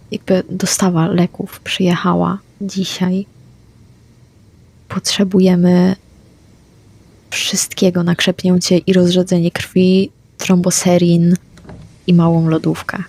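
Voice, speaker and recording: A woman playing a tabletop vampire game, declaring her character's actions in a quick, plain manner. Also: on the low side, vocal fry, a little mellow, breathy edge. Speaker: player.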